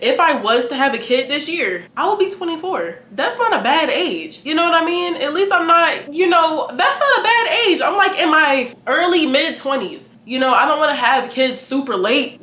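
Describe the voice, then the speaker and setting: Young woman in her 20s, vlogger, bright voice, animated and frank, echoey room. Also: a little high. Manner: animated, candid, laughing, profane. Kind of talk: casual chat to camera.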